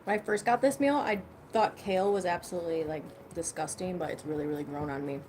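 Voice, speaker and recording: A woman's voice: lowish voice, fast, darkish tone, slight background noise. A young woman hosting a casual livestream, chatting loosely and swearing freely while she eats. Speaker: livestream host.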